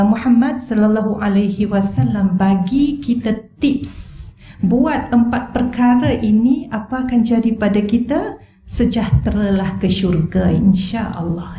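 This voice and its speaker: A middle-aged Malaysian woman with a slightly high, mellow voice delivers a religious lecture in a mosque hall, earnestly posing rhetorical questions to the audience. She uses a wireless mic, and the hall recording sounds roomy and dull.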